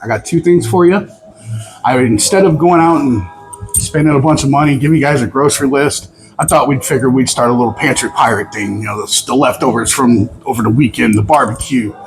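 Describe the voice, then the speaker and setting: A man's voice: medium pitch, a little fast, rough recording. A middle-aged man who cooks, talking casually to camera in a folksy, plain-spoken way. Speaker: cook of an online show. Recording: music behind the voice.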